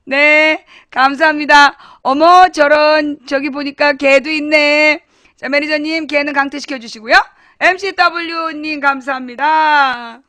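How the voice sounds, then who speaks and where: A woman hosts a casual live-stream chat show, thanking viewers by name and mocking her critics with a laugh. Her voice sits high and bright. It is recorded dry and close on a desk mic. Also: fairly even intonation, measured pace, no echo. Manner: chatty, laughing, blunt and mocking.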